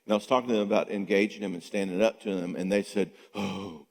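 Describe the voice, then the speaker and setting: An older male psychologist lectures a church audience, his lowish voice carried by the long reverb of a sanctuary. He talks in an animated way, throws out rhetorical questions and slips into higher voices to act out quotes. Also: very fast. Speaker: psychologist speaking at a marriage conference. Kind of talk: conference talk to a church audience.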